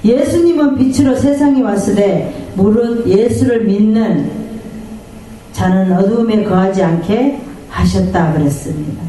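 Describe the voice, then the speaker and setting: A woman's voice: medium pitch, a little slow, warm tone. Woman pastor delivering a sermon in a church, recorded from afar with faint room hiss. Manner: preaching with call-and-response amens, acting out quoted voices. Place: church sanctuary. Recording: echoey church hall from far off.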